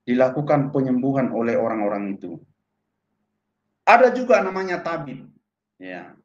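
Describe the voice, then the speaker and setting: Guy telling his testimony, lively, acts out voices, echoey dull recording. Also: mid-range voice. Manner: animated, acts out quoted voices. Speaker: testimony speaker. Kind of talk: storytelling testimony. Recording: echoey, dull lo-fi room sound.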